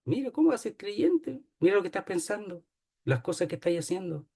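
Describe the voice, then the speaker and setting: A sly male devil, put on by a man, nagging and mocking in a raised, pinched pitch. He keeps needling and accusing over and over, in a quieter tone than the teacher's plain talk. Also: very animated, a little fast, creaky, breathy edge, heavily acted. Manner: taunting, mocking, insistent.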